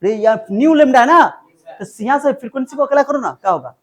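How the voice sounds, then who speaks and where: High-voiced teacher. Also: male voice, quick pace. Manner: scolds and coaxes a student, repeats formulas; mixes Hindi with English terms. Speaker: chemistry teacher. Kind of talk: informal tutoring lesson.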